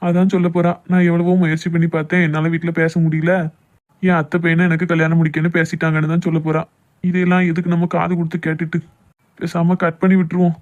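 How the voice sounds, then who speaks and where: A man's voice: on the high side, monotone, fast talker, dull audio, close to an everyday voice. A man playing a hurt, jealous young lover in a cartoon love drama, with a southern Tamil Nadu accent. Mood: anxious brooding.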